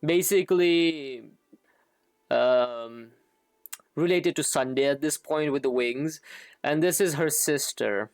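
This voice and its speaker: Slow, laid-back woman livestreamer, dry sound. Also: deep voice, darkish tone, no room sound. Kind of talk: casual stream reaction commentary.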